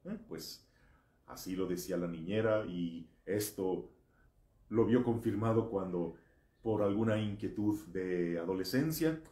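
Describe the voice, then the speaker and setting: A man in his thirties with a Mexican accent, a priest giving a motivational religious talk with animated, emphatic storytelling and rhetorical questions. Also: on the low side. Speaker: Catholic priest. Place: small indoor room. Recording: echoey room.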